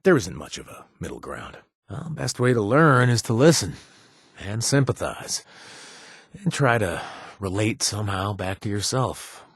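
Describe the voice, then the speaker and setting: An actor playing a wry, joking former raider who is protective of his friend, with a husky voice. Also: on the low side, very animated, a little slow, no echo, clean studio sound, heavily acted. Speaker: game companion. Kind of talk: video game voice lines.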